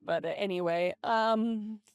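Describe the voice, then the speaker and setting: A young adult woman talking casually and confessionally in a vlog through a voice changer, in a hesitant, halting way with repeated words. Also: medium pitch, clean tone, dry recording. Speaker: vlogger. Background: soft lo-fi video game music.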